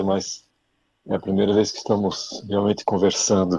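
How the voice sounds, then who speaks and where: A man's dark, mellow voice, fairly low in pitch and edged with vocal fry, moves at a moderate pace. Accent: Santa Catarina. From southern Brazil, Blumenau, Santa Catarina. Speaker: sailor, sailboat captain. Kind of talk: casual interview chat.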